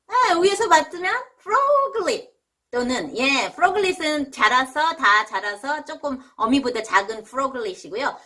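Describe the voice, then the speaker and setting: A Korean woman teaching English vocabulary in a casual video lesson, jumping high to imitate animal sounds. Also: sharp tone.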